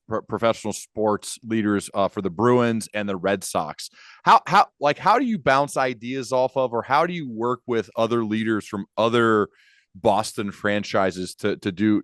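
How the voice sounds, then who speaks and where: A man's voice: lowish voice, fairly bright tone, no echo, studio quality. A man hosting a podcast interview in a casual, conversational way, earnest and enthusiastic as he thinks aloud.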